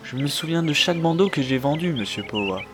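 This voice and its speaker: A man voicing a mysterious old shopkeeper who speaks in a drawn-out, ominous way, in a fan cartoon dub. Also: fairly high pitch, expressive, over music, close to an everyday voice. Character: slow, mysterious old male headband seller.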